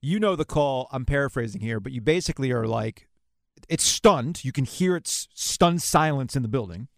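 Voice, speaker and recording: Animated male sports podcast host. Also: medium pitch, moderate pace, no echo, clean studio sound. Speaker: podcast host interviewing a guest. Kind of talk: casual sports talk interview.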